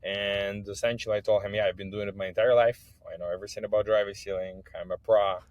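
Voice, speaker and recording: A man's voice: on the low side, little pitch movement, fast, no room sound, muffled recording. A man from Kazakhstan, an English speaker telling his personal story as a podcast guest. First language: not English. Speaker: podcast guest, business owner.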